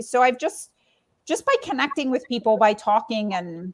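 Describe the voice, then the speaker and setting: A normal speaking voice with an American accent talks at a moderate pace, with ordinary pitch variation. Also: woman. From Pennsylvania. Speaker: real estate investor. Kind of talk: interview. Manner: casual, many fillers like 'like' and 'um'.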